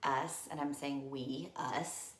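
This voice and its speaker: Low-voiced woman co-host, echoey room. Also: steady tone, slow pace. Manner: soft, reflective and encouraging. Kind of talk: casual chat.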